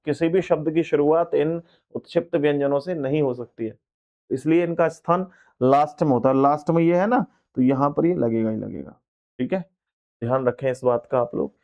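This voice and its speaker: Hindi grammar teacher, man, higher-pitched voice, casual and repetitive drill-style delivery, slightly muffled lo-fi sound. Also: moderate pace. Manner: repeats each word several times, checks in with "ठीक है" and "भाई". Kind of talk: online exam-prep lesson.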